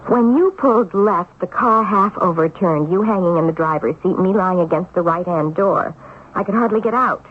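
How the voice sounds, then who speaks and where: An actress playing a practical, sceptical but affectionate wife in a 1970s radio drama, speaking in a firm, wry way. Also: female voice, fairly low pitch, normal speed, breathy edge. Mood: brisk, firm. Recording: tinny, muffled old radio recording.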